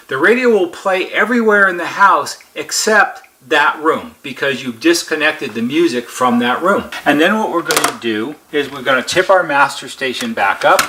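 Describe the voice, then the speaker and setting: A man's voice: mid-range voice, pushed and bright, slight background noise. A man presenting as a repair technician, methodically explaining a hands-on procedure step by step and plainly repeating his points. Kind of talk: step-by-step instructional demonstration.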